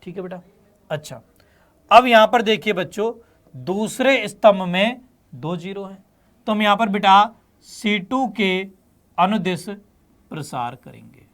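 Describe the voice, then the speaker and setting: A man's voice: high voice, expressive, unhurried, long pauses, fairly bright tone. A man teaching maths to students, explaining each step patiently and often checking that they follow. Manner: addresses students as beta and bachche, frequent check-ins. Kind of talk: classroom lesson explaining solutions step by step.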